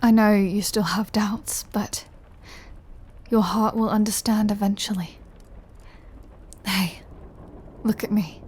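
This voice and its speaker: A woman playing a lonely, tender immortal vampire lover in an intimate audio roleplay, her voice breathy and often half-whispered, with an emotional delivery. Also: medium pitch, fairly even intonation, slight background noise, close to an everyday voice. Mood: melancholy, tender. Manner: slow, hushed, emotional delivery with long pauses.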